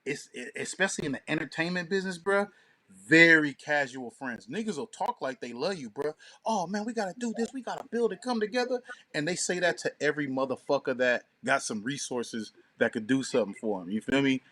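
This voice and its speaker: An American man with a somewhat high-pitched voice gives casual commentary as a podcast co-host. His speech is full of slang and profanity, and he keeps adding little tag phrases to check that he is being followed. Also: expressive, brisk, bright, forceful tone. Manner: informal, profane, peppers talk with tag phrases.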